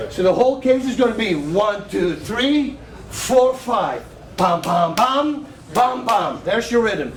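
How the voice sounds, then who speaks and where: A high-pitched male martial arts coach leads students through striking drills, calling out combinations over the thud of punches and yelling cues. The roomy hall puts him far from the camera, and faint noise hums behind him.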